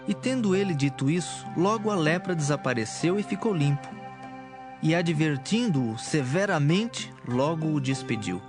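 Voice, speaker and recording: A man's voice: fairly high pitch, lively intonation, normal speed, over music. A man narrating a dramatized audio Bible in a solemn, formal storytelling style.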